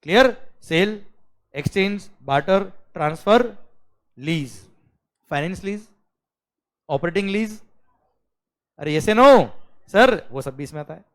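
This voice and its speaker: A man teaching a live recorded tax lecture, who mixes Hindi with English terms in an Indian English accent, keeps asking "clear?" loudly and chants lists rhythmically. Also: high voice, slow pace, long pauses. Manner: animated teacher, calls students "beta", repeats "clear?" loudly. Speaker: GST lecturer for accounting students.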